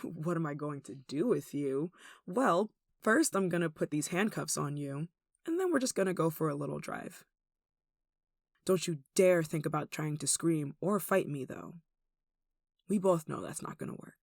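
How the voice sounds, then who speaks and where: Casting: woman to play possessive yandere kidnapper for ASMR roleplay, lowish creaky voice, sweetly menacing and coaxing. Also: animated, normal speed, dry recording, clean studio sound, full character voice. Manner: cooing, coaxing, with sighs and giggles. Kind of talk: intimate ASMR roleplay acting.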